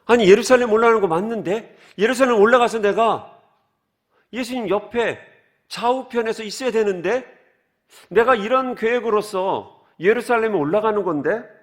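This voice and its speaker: Man acting out confused disciples going huh, high and questioning. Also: lightly acted. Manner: incredulous, questioning, raised pitch. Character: ambitious, baffled male disciples, young adults.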